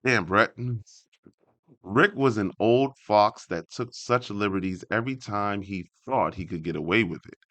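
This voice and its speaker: A man hosting a read-along, reading an article aloud and breaking off into casual, animated asides. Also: lowish voice, unhurried, no echo.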